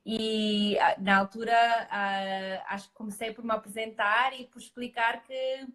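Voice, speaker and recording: A woman's voice: fairly high pitch, level tone, unhurried, a bit bright. A middle-aged woman from Mozambique, a naturopathic doctor, speaking as a guest in a live interview with many fillers and restarts.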